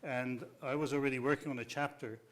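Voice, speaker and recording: A man's voice: mid-range voice, fairly even intonation, fairly bright tone. Middle-aged Belgian-born man, native Dutch speaker. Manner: measured, hesitant, many uh fillers. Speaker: law professor panelist. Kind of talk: panel discussion.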